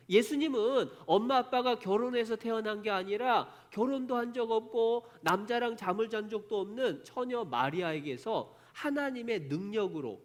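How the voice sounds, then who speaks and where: A fairly high, very lively male voice swings up and down as he teaches a Bible story to children. He asks questions and answers them himself. His storytelling is emphatic and expressive.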